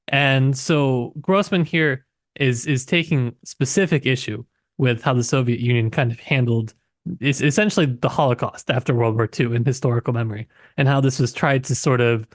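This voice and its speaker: A man with a mid-pitched voice co-hosts a book discussion podcast. He speaks casually, qualifying his points and thinking aloud as he goes. The sound is dry, with very little room in it. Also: dry recording. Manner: informal, hedging, thinking aloud. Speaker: podcast co-host.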